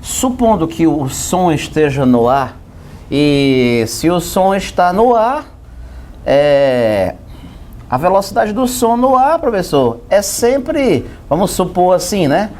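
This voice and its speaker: Talking to himself in two voices, a man turns a physics lesson into playful banter, posing questions and answering them. He speaks slowly in a darkish tone, his pitch swinging widely for effect.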